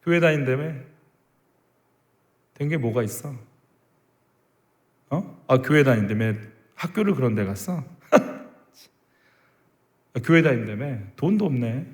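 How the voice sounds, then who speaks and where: A man's voice: mid-range voice, lively intonation, measured pace, pauses often, lightly acted. A man doing a sneering giant warrior. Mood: mocking. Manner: sneering taunts. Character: mocking giant warrior taunting soldiers. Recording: echoey church hall.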